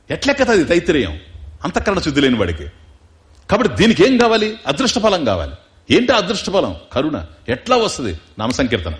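A man giving a religious discourse, telling a devotional story, asking his listeners questions and acting out the characters' lines. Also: on the high side. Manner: slows down for emphasis, chants Sanskrit verses. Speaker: spiritual discourse speaker.

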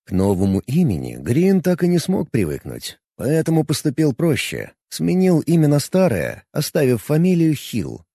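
A man narrating an audiobook in an expressive storytelling manner. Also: a little high, normal speed, vocal fry, hardly any pauses, no room sound, studio quality. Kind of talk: scripted narration.

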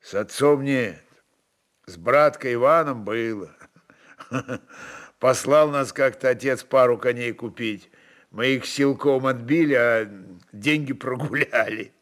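A man voicing a brooding, restless Cossack leader in a dramatic reading, terse, quiet and weighty. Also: medium pitch, takes it slowly. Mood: musing storyteller.

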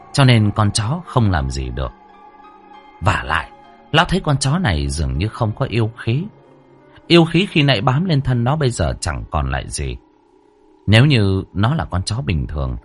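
A man narrating a scripted story with dramatic, expressive delivery. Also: lowish voice, normal speed, husky, faint music behind.

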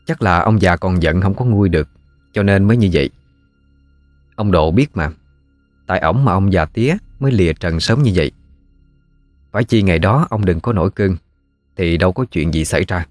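A man with a Southern Vietnamese accent narrating a ghost story in a folksy, unhurried way. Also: sits low, darkish tone, dry recording, soft background music.

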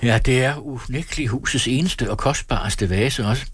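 A man reading aloud, voicing a melancholy young gentleman in a storybook. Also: mid-range voice, breathy edge, dry recording, voice pushed up, close to an everyday voice. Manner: melancholy, musing.

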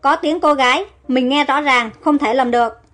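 A cunning, cruel king giving sharp orders to his troops, as a woman storyteller reads him. The voice sits high, with faint music underneath. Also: moderate pace. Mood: commanding. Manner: commanding orders. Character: cunning ruthless male Babylonian king.

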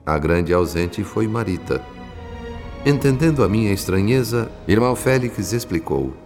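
A man's voice: fairly low pitch, expressive, moderate pace, darkish tone. A man with a Brazilian accent playing a solemn, reflective spirit narrator in a scripted radio drama. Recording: long reverb, music behind.

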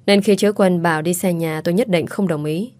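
A woman narrates a first-person audiobook story in a calm, reflective way, keeping an even, unhurried reading tone. Her voice is on the low side and sounds close and dry, with no room around it. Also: dry recording.

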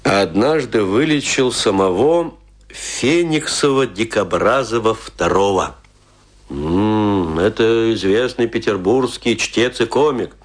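An actor playing a rueful, self-mocking, tipsy middle-aged Russian intellectual in a theatrical monologue, confiding and declaiming with dramatic pauses. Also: male voice, on the low side, expressive. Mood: storytelling relish.

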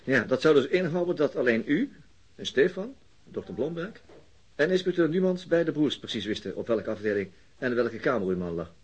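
An actor playing a persistent, courteous police detective in a radio drama, probing with questions and hesitant hums. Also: male voice, mid-range voice, animated, normal speed, husky. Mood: probing, surprised. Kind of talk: naturalistic radio drama acting.

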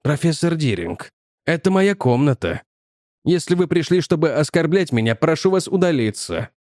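A calm young male scientist, coolly dismissive and politely evasive, speaking with even composure, as a male audiobook narrator reads him. The sound is dry and close to the mic. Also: a little high, normal speed, dry recording.

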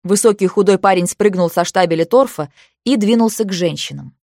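A woman reading an audiobook in an even, measured storytelling manner. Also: mid-range voice, gravelly, no room sound, clean studio sound. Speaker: audiobook narrator. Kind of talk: scripted narration.

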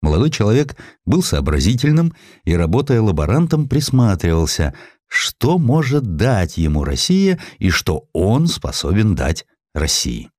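Deep-voiced man narrating with lively intonation. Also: dry recording, clean studio sound. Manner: expressive, measured storytelling with distinct character lines. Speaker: audiobook narrator. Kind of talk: dramatized literary narration of a historical story.

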